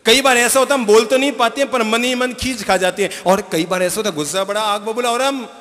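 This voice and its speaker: A man's voice: sits high, steady tone, fast, a bit bright, long reverb tail. A male spiritual teacher giving a sermon, emphatic and repeating key phrases, often asking his audience questions.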